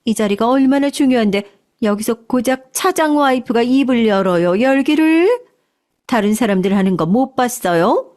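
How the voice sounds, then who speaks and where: A woman's voice: on the high side, animated, moderate pace, a little mellow, close to an everyday voice. A woman voicing a domineering, condescending middle-aged manager's wife in a storytelling drama. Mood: scolding. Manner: scolding, condescending.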